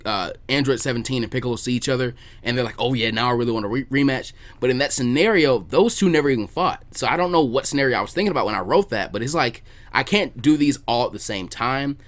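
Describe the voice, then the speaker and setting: A man's voice: mid-range voice, a bit bright. A man hosting a casual podcast chat, talkative and informal, repeating words as he thinks aloud. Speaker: podcast host, video creator.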